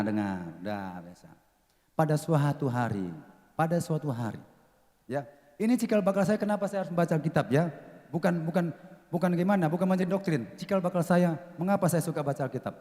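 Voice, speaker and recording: A man preaching a sermon to a congregation, shifting between hushed talk and loud exhortation. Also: a little high, long reverb tail.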